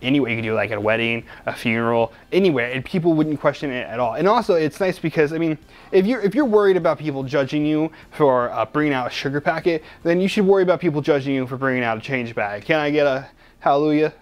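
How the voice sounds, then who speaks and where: A man's voice: fairly high pitch, quick pace. A young man hosting a magic product review, chatty and joking, rambling with lots of restarts and fillers.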